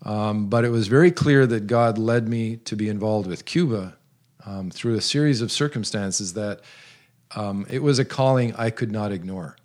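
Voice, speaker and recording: A man in his sixties who grew up in South America, giving earnest, measured interview answers with frequent pauses and restarts. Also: on the low side, darkish tone. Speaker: guest, retired missionary.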